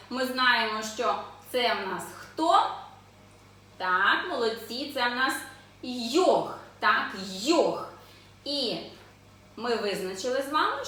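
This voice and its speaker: A woman teaching young children to read, sounding out syllables slowly and asking the class questions in a sing-song way. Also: fairly high pitch, pushed and bright. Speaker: preschool teacher. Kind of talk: children's literacy lesson. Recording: echoey room, voice from a distance.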